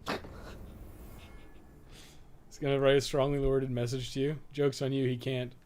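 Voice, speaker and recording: A man with a mid-pitched voice talks casually through live gameplay as a streamer. He rambles and thinks out loud, swearing freely. Noticeable noise and ambience sit behind his voice. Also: little pitch movement, unhurried. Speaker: video game streamer and guide writer. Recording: clearly noisy background.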